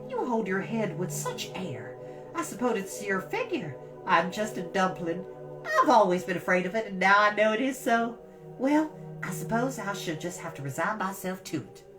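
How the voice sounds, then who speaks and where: A woman voicing a bossy, admiring teenage girl in a storybook, brisk and chatty as she fusses. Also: mid-range voice, sing-song, pitched above the performer's own voice, lightly acted. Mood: admiring, resigned. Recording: distant mic with music behind.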